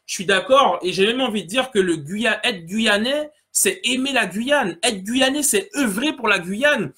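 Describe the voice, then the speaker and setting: A man's voice: sits high, expressive, a little slow, sharp tone, slightly rough. A man hosting a casual solo podcast, reading out listener comments and talking earnestly and directly to his audience. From French Guiana. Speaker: podcast host.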